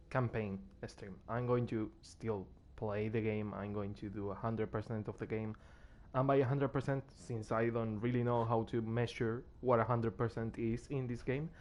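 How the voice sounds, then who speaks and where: A tired man streams a game and rambles through casual commentary, his voice going hoarse, with faint music behind him. He speaks at a medium pitch with a slightly mellow sound and restarts when something moves him.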